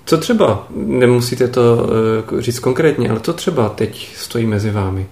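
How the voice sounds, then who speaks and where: A man interviewing a guest with short, gentle, probing questions. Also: medium pitch, roomy sound.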